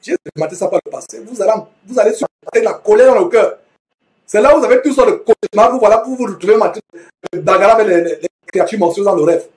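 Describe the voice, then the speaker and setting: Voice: mid-range voice, quick pace. Preacher explaining Bible verses. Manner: reads verses aloud, then explains them with repetition and self-corrections.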